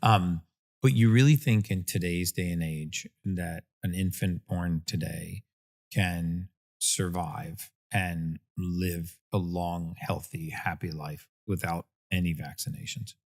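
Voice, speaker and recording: A man's voice: low voice, fairly even intonation, takes it slowly, a little mellow. A man hosting a conversational interview, hesitant and full of fillers, often murmuring agreement. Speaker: interview host.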